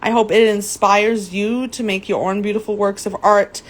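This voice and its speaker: A woman's voice: medium pitch, fairly even intonation, moderate pace. Young woman from germany chatting thru a live jewelry demo, greets everyone, trips on her words a lot. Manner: chatty, greets viewers by name, often stumbles on words. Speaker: jewelry artist and livestream host. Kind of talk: casual live demo chat. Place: indoor craft table.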